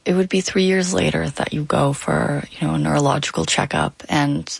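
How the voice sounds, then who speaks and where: Gravelly, flat-voiced interviewer. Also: medium pitch, moderate pace, no echo. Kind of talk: interview questions.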